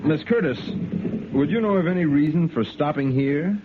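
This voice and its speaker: A steady, reassuring cavalry lieutenant, played by a man, speaks firmly in a slightly raised voice. The sound is a tinny old radio broadcast with heavy hiss. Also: fairly high pitch, moderate pace, close to an everyday voice. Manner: calm, firm, reassuring. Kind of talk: 1950s radio drama acting.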